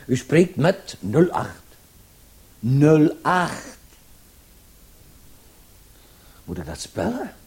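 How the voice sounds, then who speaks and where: A radio-play policeman, fussy and self-important. His pitch leaps about constantly as he stammers and rambles, by turns servile and bossy. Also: warm tone. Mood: fussy, impatient. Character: bumbling, excitable, self-important male policeman, number zero-eight. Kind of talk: Dutch radio play acting.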